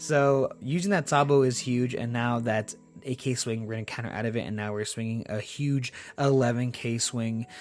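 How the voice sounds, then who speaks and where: Music plays in the background as a man talks. His pitch is medium and his intonation fairly even. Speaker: card game commentator. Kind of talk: live commentary. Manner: fast.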